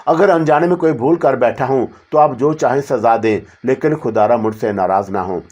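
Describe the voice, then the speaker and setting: A man's voice: mid-range voice, a little mellow, lo-fi sound, lightly acted. A man doing an earnest young office colleague. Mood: pleading. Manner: pleading, earnest. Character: loyal, emotional young male office colleague.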